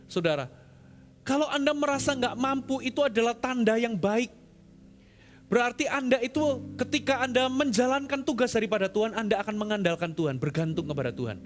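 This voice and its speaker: Pastor, male, high voice, dynamic preaching delivery with soft music underneath. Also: lively intonation, a little fast. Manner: preaching with swings from loud emphasis to hushed tones. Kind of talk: sermon.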